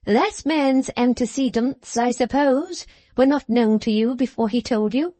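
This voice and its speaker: A cold and unyielding old mother, stern in every word, as a woman reader puts her on. Her voice sits above the narration, slow and deliberate, with a mellow, warm tone. The storybook reading is dry and close, with no room sound behind it. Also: a little high, dry recording, pitched above the performer's own voice. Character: stern, cold older mother, a widow in a wheelchair.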